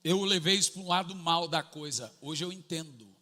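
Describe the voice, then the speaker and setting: Animated pastor with a high, bright voice. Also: male voice, fairly quick, in a large hall. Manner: animated, acts out family dialogue, bursts into shouts. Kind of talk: sermon with personal storytelling.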